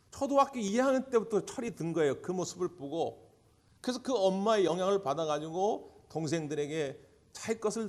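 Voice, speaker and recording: A male pastor preaching at a church service, telling stories, acting out the people in them, and putting questions to the congregation. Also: fairly high pitch. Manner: storytelling, acting out quoted voices. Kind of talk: sermon.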